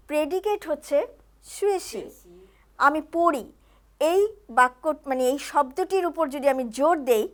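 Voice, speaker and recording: A woman hosting a television language lesson, explaining each sentence clearly to viewers. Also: sits high, a bit bright. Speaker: TV talk show host.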